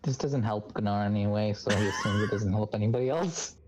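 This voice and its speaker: A man's voice: on the low side, a little fast, noisy background. A man playing a tabletop game, answering in an offhand way through a dull, lo-fi mic. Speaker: player.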